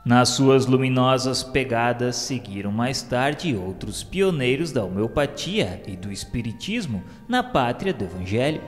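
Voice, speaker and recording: A Brazilian man reads scripted radio-novela narration with formal reverence. His delivery is very slow, in a mid-pitched voice with long reverb, over a music bed. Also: very animated.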